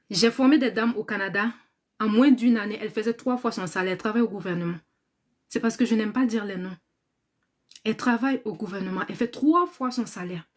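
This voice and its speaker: A fairly high-voiced woman talks casually on a live stream, tired and recovering, reading out viewer comments as she goes. She often repeats words, thanks people by name and breaks into short prayers, all in a warm, chatty way. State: tired, in convalescence. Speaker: cosmetics business trainer on a live stream.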